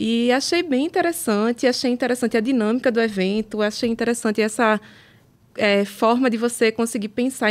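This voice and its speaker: In a very clean recording with a silent background, a woman is heard. She talks at a fairly quick pace in a fairly high pitch. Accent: Recife. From Recife, Pernambuco, Brazil. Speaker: accountant and startup community organizer. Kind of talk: podcast interview.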